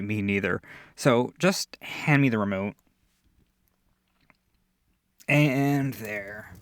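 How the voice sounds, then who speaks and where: A man playing a gentle, affectionate boyfriend in an intimate ASMR comfort roleplay, speaking softly, tenderly and reassuringly. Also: lowish voice, creaky, exaggerated voice. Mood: playful, affectionate. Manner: soft, tender, unhurried, reassuring.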